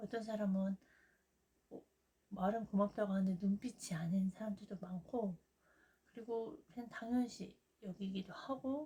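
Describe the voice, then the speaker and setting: The speaker is a woman with ordinary pitch variation. She talks at a fairly slow pace. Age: 40s. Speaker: youtuber, sales trainee. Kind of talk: vlog monologue. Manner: hesitant fillers.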